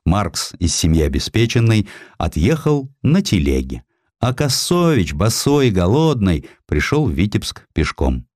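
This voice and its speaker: A man narrating historical stories as an audiobook, in an expressive, theatrical manner. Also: lowish voice, unhurried, no echo, studio quality.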